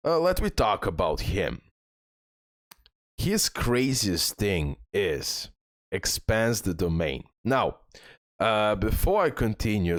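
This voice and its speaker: A man with a low voice presents a gaming guide in a close, dry recording. He reads ability text aloud and breaks it down informally, speaking straight to his viewers and repeating key points for emphasis. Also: dry recording. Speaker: gaming content creator and host. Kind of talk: game guide commentary, reading skill descriptions and giving tips.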